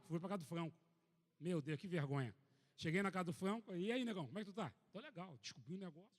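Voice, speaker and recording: Brazilian preacher, joking and animated. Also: male voice, fairly high pitch, big-room sound. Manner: animated, joking storyteller, reads scripture aloud. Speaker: pastor. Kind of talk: sermon with humorous personal story. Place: church meeting hall.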